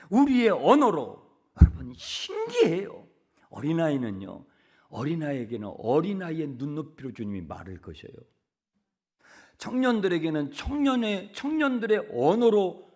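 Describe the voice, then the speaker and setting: Preaching from a church sanctuary pulpit, a pastor with a slightly high, husky voice swings between hushed whispers and loud, emphatic repetitions of words. He keeps a conversational tone and asks the congregation questions.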